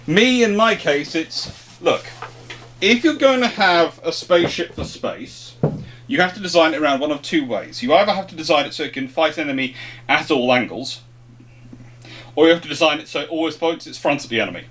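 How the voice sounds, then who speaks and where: Higher-pitched man explaining informally. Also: lively intonation, brisk, a bit bright, slight background noise. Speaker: host of a history question-and-answer show. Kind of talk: informal unscripted explanation, question-and-answer chat.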